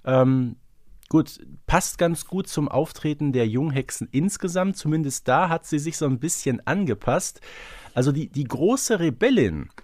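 A man's voice: fairly high pitch, animated, measured pace, darkish tone, dry recording. Man co-hosting a podcast, dry close sound. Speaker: podcast co-host. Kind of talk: casual podcast discussion.

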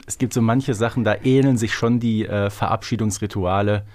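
A man's voice: lowish voice, steady tone, fairly quick, darkish tone, dry recording, clean studio sound. A man co-hosting a podcast, chatting casually through a quiz game. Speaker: podcast host playing a quiz. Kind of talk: casual chat.

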